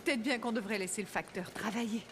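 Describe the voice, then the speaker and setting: A woman's voice: fairly high pitch, fast, natural voice. A woman playing a mild-mannered mother of a young boy in a children's cartoon.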